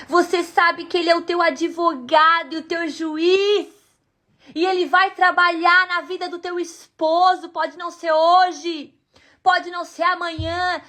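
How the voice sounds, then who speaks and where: A woman preaching an earnest devotional sermon to wives, emphatic and sometimes dropping to a hushed tone. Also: very high voice.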